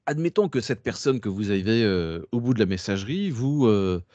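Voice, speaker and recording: A man's voice: lowish voice, animated, normal speed, darkish tone, dry recording. Chatty man giving a workshop talk. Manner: digressive, slangy and chatty. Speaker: workshop presenter. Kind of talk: casual talk to a class. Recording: dull lo-fi dry recording.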